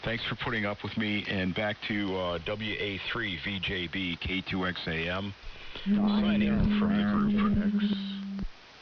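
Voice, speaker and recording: Noise can be clearly heard behind the speaker. He is a man talking very slowly. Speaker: amateur radio operator. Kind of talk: radio chat. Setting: amateur radio transmission. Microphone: poor quality audio.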